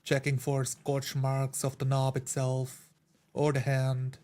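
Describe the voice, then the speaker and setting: A man's voice: mid-range voice, completely flat delivery, slow, a little mellow. A man speaking as a player in a tabletop roleplay game. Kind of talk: roleplay, describing character actions.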